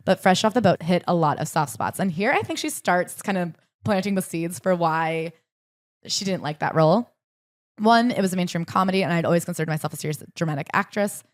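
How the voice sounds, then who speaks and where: A young woman co-hosting a podcast, summarizing a book and reading passages aloud in a brisk, chatty way. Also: lowish voice, no echo, studio quality. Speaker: podcast co-host. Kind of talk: casual book-club chat with read-aloud passages.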